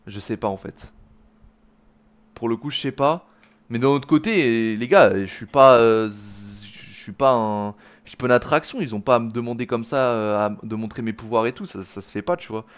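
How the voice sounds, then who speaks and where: A gaming host's smooth, medium-pitched voice moves at normal speed through angry let's play commentary. He curses and uses slang while reacting to the game and talking to his viewers, whom he calls "les gars".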